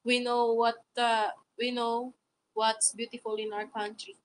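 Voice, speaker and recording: A woman's voice: fairly high pitch, flat delivery, slight background noise, rough recording. Hesitant Filipino woman on a call. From Philippines. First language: Tagalog. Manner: hesitant, pausing to find English words. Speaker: stranger on a video chat. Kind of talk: casual video chat.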